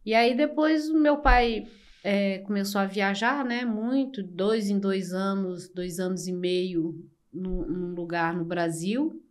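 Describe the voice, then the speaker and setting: An older woman from Brazil, a podcast guest telling her life story slowly and reflectively, with many pauses. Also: mid-range voice. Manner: slow, reflective, with frequent pauses and fillers. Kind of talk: personal storytelling in an interview.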